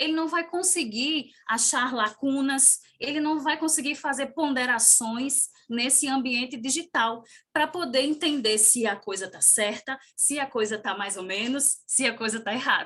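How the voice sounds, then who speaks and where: Delivered with lively intonation, this voice has a bright, sharp tone. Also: woman. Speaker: webinar panelist on law and technology. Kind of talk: webinar presentation. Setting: video call.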